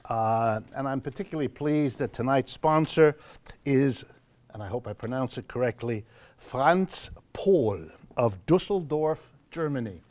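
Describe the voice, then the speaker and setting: A man hosting a live event in a church hall, making announcements to the audience in a measured, wry way with frequent pauses and fillers. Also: medium pitch, lively intonation, a little mellow. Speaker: host of a monthly lecture event.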